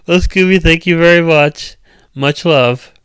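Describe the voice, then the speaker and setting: A man chatting casually with viewers on a stream, with a loud, strong voice and an uneven, rambling cadence full of restarts. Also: on the high side, a little slow, clear, resonant tone, no echo. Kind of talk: casual live chat.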